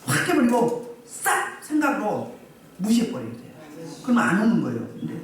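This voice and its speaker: A woman's voice: mid-range voice, wildly swooping pitch, normal speed. A middle-aged woman pastor preaching a sermon with emphasis, repeating phrases and asking the congregation questions. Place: church hall. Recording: echoey hall, mic at a distance.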